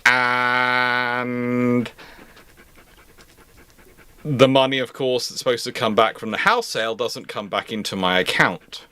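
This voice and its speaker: A man's voice: medium pitch, fairly even intonation, takes it slowly, pauses often, pushed and bright, smooth. A man chatting casually as a livestream host, rambling and venting with exasperation.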